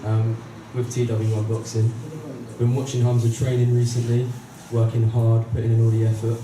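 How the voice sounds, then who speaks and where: A man's voice: mid-range voice, completely flat delivery, moderate pace. A man speaking for a boxer at a press conference, in brief, plain remarks. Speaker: boxing team representative. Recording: echoey room, distant mic, noisy.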